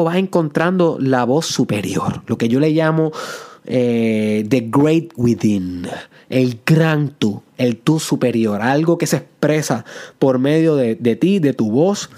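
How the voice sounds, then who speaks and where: A man hosting a motivational podcast, sprinkling English phrases into his talk and playing his voice between loud and soft. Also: mid-range voice, animated, unhurried. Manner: plays with loud and soft delivery for effect. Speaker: podcast host.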